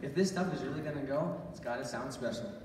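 A man's voice: mid-range voice, quick pace, close to an everyday voice. A man playing an eager, wisecracking, boastful boy in an amateur stage radio play. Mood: cocky. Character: eager, cheeky boy Sammy, joking, bossy little brother. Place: church stage before an audience. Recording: echoey church hall, distant, faint noise.

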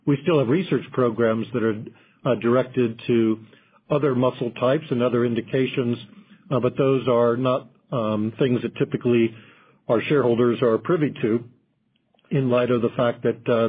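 Husky executive on a phone line. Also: male voice, medium pitch, steady tone. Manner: measured, corporate, carefully qualified. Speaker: company executive answering analysts. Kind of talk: investor call Q&A, spontaneous formal answers. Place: conference call. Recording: muffled narrow phone line.

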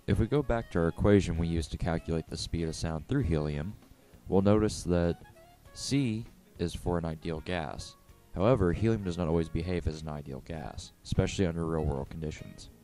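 Man, low mellow voice, scripted science explainer, step-by-step delivery, music behind. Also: a little fast. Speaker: physics explainer. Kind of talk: scripted educational narration.

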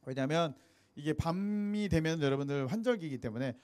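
Young man, host, high voice, fast talker, animated, handheld mic, outdoor night stage, has a cold. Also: clean tone. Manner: upbeat, hypes the audience. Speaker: street busking show host. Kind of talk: lively emcee patter to a crowd.

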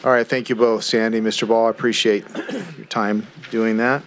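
A man serving as mayor, chairing a city council meeting in brisk, polite procedural phrases at a desk microphone in the council chamber. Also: fairly low pitch, little pitch movement, a bit bright, a little hiss or hum.

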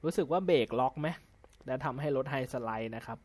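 A man's voice: medium pitch, fairly quick, darkish tone, dry recording. A man casually commentating while playing a racing video game, chatting and exclaiming at close calls. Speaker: gameplay commentator. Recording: voice over game audio with engine noise.

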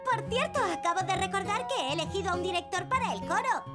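Super high friendly cartoon rescue operator girl, really lively and encouraging, music behind. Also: quick pace. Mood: cheerful, encouraging. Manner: cheerful, encouraging. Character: bright friendly young female rescue team operator. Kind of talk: Spanish-dubbed children's cartoon acting.

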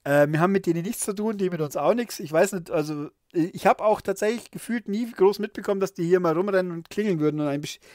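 A man's voice: sits high, quick pace, hardly any pauses, a little mellow, no echo, studio quality. A man hosting a podcast alone, reading a viewer's letter aloud and commenting in a casual way, with many fillers and restarts. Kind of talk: casual solo chat.

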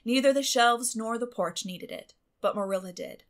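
A woman's voice: fairly high pitch, normal speed. A woman reading a classic novel as an audiobook narrator, in scripted literary storytelling style.

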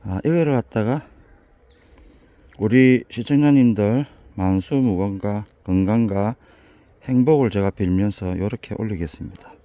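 An older man with a Busan accent, hoarse and a bit winded, chatting folksily as he walks a mountain path for his vlog. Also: fairly low pitch, measured pace, dark tone, dry recording, highs cut off. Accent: Busan Gyeongsang dialect. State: out of breath from climbing. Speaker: vlogger touring local alleys. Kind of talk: casual walking vlog.

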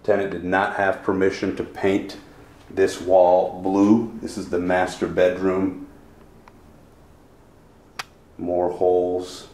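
A man with a low, monotone, darkish voice takes his time as he tours an empty townhouse as a realtor, narrating tersely and with disapproval. His handheld camera mic records echoey rooms and a faint background hum.

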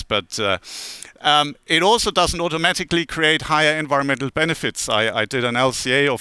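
A man's voice: medium pitch, pushed and bright, smooth, no echo. A man in his forties giving a casual academic talk at a conference lectern, with many fillers and restarts and wry asides. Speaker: conference speaker. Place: conference hall, standing at a lectern.

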